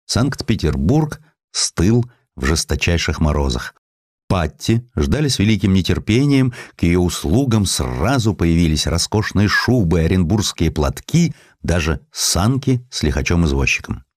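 Deep-voiced man narrating, expressively varied. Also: a little slow, dry recording, clean studio sound. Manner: literary, expressive storytelling. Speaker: audiobook narrator. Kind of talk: scripted dramatic narration of historical sketches.

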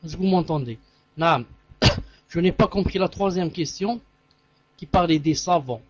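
A man with a high voice speaks on an online call, checking what each question meant. He mixes in Arabic fillers, and the sound is dull and lo-fi. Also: moderate pace. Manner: asks clarifying questions, uses Arabic fillers. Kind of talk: casual call talk. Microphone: online audio call. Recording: muffled lo-fi audio.

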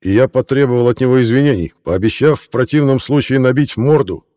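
Man playing a police inspector, stern, formal, indignant, slightly raised pitch. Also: brisk, dark tone, no echo, clean studio sound, close to an everyday voice. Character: proud male police inspector, indignant gentleman.

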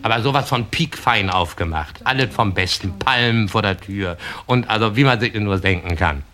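A man telling a string of jokes in an animated, drawling stage manner. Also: on the low side, moderate pace. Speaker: comedian.

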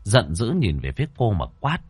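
A man reading a ghost story aloud as a storyteller, in a dramatic, expressive style. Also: on the low side, normal speed, slightly rough. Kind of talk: scripted ghost-story narration.

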